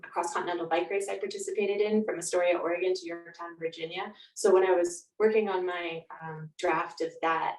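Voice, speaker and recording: A lower-pitched woman with a Canadian accent speaks as an author being interviewed. Her talk is reflective and conversational. The recording is roomy and echoey, with her voice set back from the mic. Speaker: author guest. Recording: echoey room, distant from mic.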